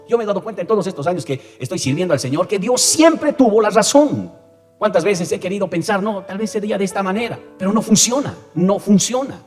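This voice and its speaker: A pastor preaching a sermon, often turning to the congregation with rhetorical questions. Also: male voice, on the high side, darkish tone, big-room sound. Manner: preaching with frequent direct address and rhetorical questions.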